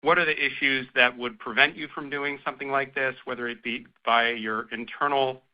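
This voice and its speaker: A male analyst puts a question on a business call. He has a middling pitch and feels his way through phrases. The line is dull and lo-fi. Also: steady tone, moderate pace. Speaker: financial analyst caller. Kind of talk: asking a question on an earnings call. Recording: dull lo-fi phone conference line.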